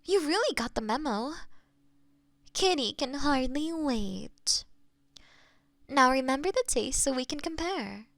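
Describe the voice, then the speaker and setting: Doting pet owner woman performer, playful and cooing, very animated delivery, dry close-miked binaural sound for roleplay audio. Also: high-pitched, no room sound, full character voice. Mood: excited, affectionate. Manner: cooing pet talk, giggly, affectionate. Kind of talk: roleplay audio, intimate one-sided scene. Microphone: close binaural microphone.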